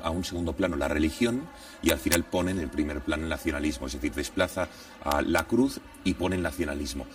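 A man's voice: very deep voice, recorded from a distance. A man from Catalonia with a Catalan accent, hosting a talk show discussion and speaking in long, winding sentences. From Catalonia, Spain. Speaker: host.

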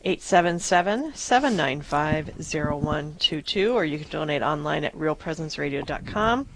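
A woman's voice: low-pitched, lively intonation, moderate pace, slight background noise, rough recording. A woman hosting a radio pledge drive, upbeat as she thanks donors and reads out the phone number. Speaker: radio host. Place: radio studio.

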